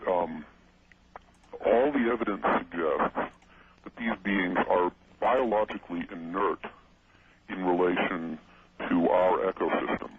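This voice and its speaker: A man on a radio call-in, his voice run through a voice changer, speaking haltingly and often restarting his words. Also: low-pitched. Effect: voice changer disguising his voice. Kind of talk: radio interview. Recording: tinny phone line with loud hiss.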